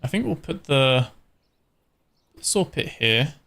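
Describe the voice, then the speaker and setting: A man giving relaxed, casual commentary as he streams a strategy game, thinking aloud with frequent ums. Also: mid-range voice, slow pace, creaky. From born in Scotland, raised in Ireland. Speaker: live-streamer.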